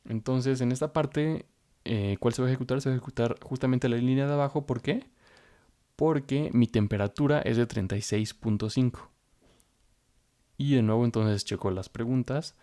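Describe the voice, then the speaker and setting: A man's voice: medium pitch, normal speed, mellow. A man teaching programming, walking through code step by step and thinking aloud as he goes. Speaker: programming instructor. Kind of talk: screen-recorded coding tutorial.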